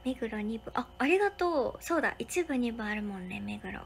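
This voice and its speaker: A young woman, hosting a casual livestream from a hotel room and thanking viewers for their comments one by one, sometimes dropping to a soft whisper. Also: on the high side, animated, normal speed, creaky, a little hiss or hum. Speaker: livestream host.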